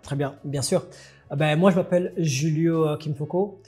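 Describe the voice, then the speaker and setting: Faint music runs behind this French male podcast guest, whose pitch is fairly high. He tells his story at an easy pace, hesitating and restarting frequently.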